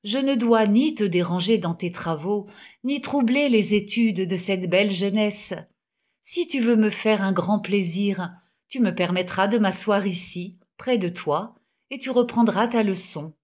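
A woman reading the lines of a warm, jovial middle-aged male doctor in an audiobook, cordial and effusive. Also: mid-range voice, measured pace, lightly acted. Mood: cheerful.

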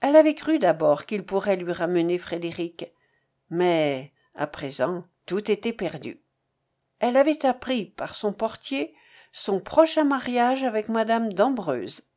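A woman narrating a novel in an expressive, measured reading. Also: fairly high pitch. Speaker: audiobook narrator.

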